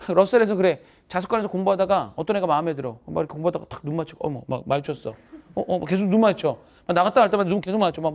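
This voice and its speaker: A woman's voice: on the low side, a little mellow. A woman math teacher giving students a chatty, motivational talk, acting out voices as she tells stories.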